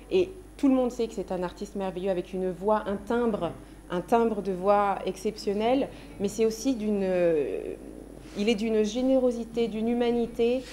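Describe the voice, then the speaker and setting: A woman's voice: mid-range voice, dark tone, a little hiss or hum. A woman from France, a singer being interviewed on a TV talk show, talking casually with frequent restarts. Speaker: guest singer.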